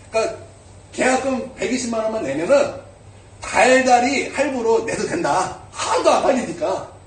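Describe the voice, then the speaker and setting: Preaching in a church sanctuary, this pastor has a very high-pitched voice as he narrates a story, acting out each character and sometimes questioning the congregation. The hall is echoey, the mic sits far off, and there's slight background noise.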